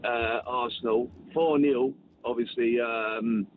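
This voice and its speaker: A man calls a radio phone-in over a tinny phone line with a faint hiss behind him. He talks excitably, repeating himself as he goes. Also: medium pitch, slow. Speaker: caller, football fan. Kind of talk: phone-in call. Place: travelling home.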